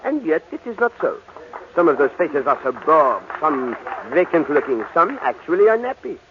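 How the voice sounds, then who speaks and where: An actor playing a courtly, observant detective in an old radio drama, with a French accent and a theatrical, musing way of talking. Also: male voice, fairly high pitch, sing-song, normal speed, over music. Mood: courteous, musing. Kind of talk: 1940s American radio drama acting. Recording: tinny, narrow-band old radio recording.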